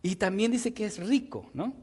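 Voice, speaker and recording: A man's voice: high voice, normal speed, husky. A man preaching a sermon, joking with the congregation and often asking for agreement. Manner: animated, jokes with the congregation, tag questions.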